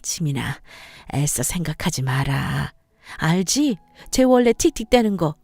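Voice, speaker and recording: A woman voicing a calm, placating older mother-in-law who gently smooths things over. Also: sits low, measured pace, dry recording, full character voice. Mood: soothing.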